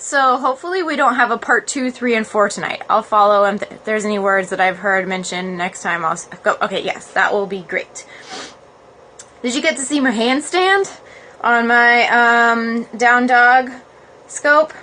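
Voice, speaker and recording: A woman's voice: a little high, lively intonation, unhurried, sharp tone, slight background noise. A woman casually hosting a livestream as a yoga blogger, chatty and informal, in a small room. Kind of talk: casual livestream chat, with halting read-aloud. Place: small, cold, uninsulated cottage room. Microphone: phone livestream.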